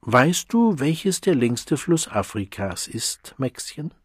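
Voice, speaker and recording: Ein Mann spielt einen drängenden Erwachsenen, der ein Kind ausfragt. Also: male voice, medium pitch, very animated, slow pace, breathy edge, no room sound, clean studio sound, pitched above the performer's own voice, heavily acted. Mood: coaxing. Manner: coaxing, insistent. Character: adult coaxing a small boy at breakfast. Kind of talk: audiobook reading.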